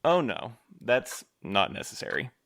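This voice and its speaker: A man playing a cautious, courteous postmaster in an audio drama, speaking in a formal, measured, polite way. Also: medium pitch, big pitch swings, creaky, background noise. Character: cautious, courteous male postmaster, mild and diplomatic.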